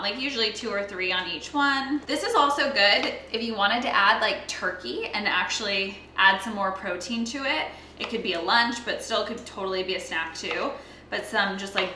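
A woman's voice: medium pitch, sharp tone. An American woman in her thirties chatting casually to camera as she hosts a cooking demonstration, in an informal conversational way. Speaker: fitness vlogger and recipe host. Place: home kitchen, indoors. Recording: roomy kitchen echo, faint background noise.

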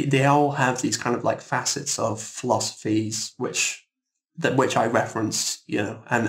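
A man speaking as an interviewed guest in a thoughtful discussion, halting and reflective, often repeating words. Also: medium pitch, a bit bright.

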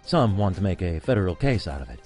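A man's voice: sits low, very animated, fast, a little mellow, soft background music. A man playing a pompous, heroic starship-captain parody, narrating grandiose log entries in a comedy audio drama. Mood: pompous, dramatic. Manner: grandiose log-entry delivery.

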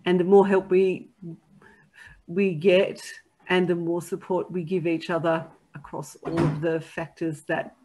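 Earnest middle-aged woman, level monotone. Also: low-pitched, rough recording. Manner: earnest, self-correcting, rambling. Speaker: panelist. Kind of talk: panel discussion. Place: kitchen at home.

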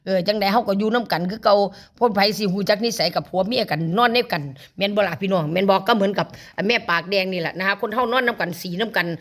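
Fast-ranting Isan woman in her fifties. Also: mid-range voice, a bit bright. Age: 50s. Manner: crude insults and swearing. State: voice worn from overuse. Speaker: live-stream host. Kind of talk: angry ranting live stream.

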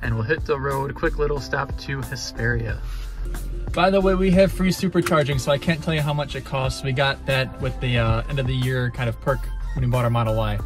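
A man's voice: medium pitch, brisk. A young man chatting casually to viewers in a travel vlog, upbeat and explaining things as he goes, recorded close up inside a car. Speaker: vlogger. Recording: background music.

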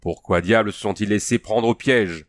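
A man voicing a gruff, restless barbarian warrior chief who talks bluntly and swears oaths. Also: fairly low pitch, moderate pace, dry recording, close to an everyday voice. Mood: grim.

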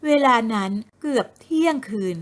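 A woman narrating a novel in a slow, measured storytelling manner. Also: a bit bright. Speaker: audiobook narrator.

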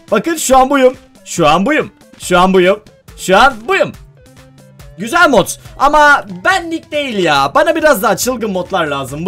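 A man with a very high, bouncy voice gives excitable let's-play commentary, talking straight to his viewers and often bursting into loud exclamations. His pitch swings widely from line to line, and faint music plays underneath. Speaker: gaming video host.

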